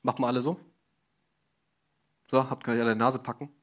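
A man's voice: medium pitch, little pitch movement, moderate pace. A young man giving a casual sermon, speaking straight to the congregation with questions and joking asides. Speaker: preacher.

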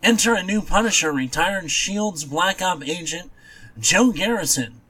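A man's voice: high-pitched, lively intonation, a little slow, sharp tone, breathy edge, poor audio. A man co-hosting a podcast in casual, blunt chat about comics, dismissive and given to offhand swearing. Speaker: podcast co-host.

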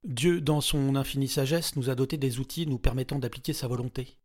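A man's voice: mid-range voice, natural voice. Man doing a cold, solemn voice of authority. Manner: slow, flat, solemn. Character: cold disembodied voice of authority, dogmatic.

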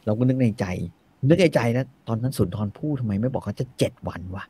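A man retelling a classic Thai tale in casual, slangy chat, animated and reciting verse now and then. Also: medium pitch, a little fast, slightly rough. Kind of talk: casual comic retelling with acted quotes.

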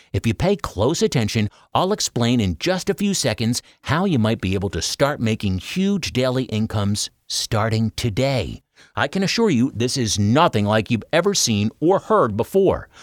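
A man reading a scripted video sales pitch, talking straight to the listener in a persuasive, conversational way with emphatic rhetorical questions. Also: no room sound. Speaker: voice-over artist for sales videos. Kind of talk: scripted sales pitch narration, direct address. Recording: dry close studio voice-over.

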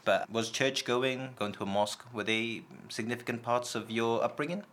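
A British man presenting a radio programme, reading a scripted introduction and asking interview questions in a measured, calm way in an office. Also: medium pitch. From Britain. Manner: measured, calm, clearly read. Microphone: studio microphone in an office.

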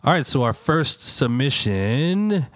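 A man's voice: medium pitch, big pitch swings, slow, a bit bright, dry recording. A man co-hosting a casual podcast, laid-back and jokey, laughing often. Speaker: podcast co-host. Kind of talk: casual chat.

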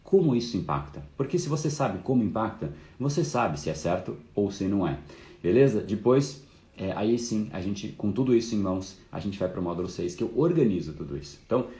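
Guy hosting a live class, low voice, lots of fillers, kinda roomy sound. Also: animated, a little fast, warm tone. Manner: casual, fluent explaining with frequent fillers. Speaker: course host. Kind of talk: live-stream course talk.

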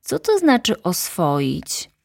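A woman voicing the Little Prince, a gentle and lonely young boy, in an earnest, wondering storybook reading. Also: on the low side, wildly swooping pitch, takes it slowly, creaky, no room sound, clean studio sound, exaggerated voice.

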